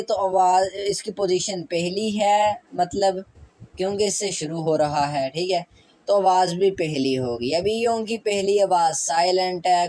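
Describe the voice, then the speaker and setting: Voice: mid-range voice, a little mellow, poor audio. A Korean language teacher with a Pakistani Urdu accent who explains reading rules step by step, patiently repeating each sound and reassuring learners.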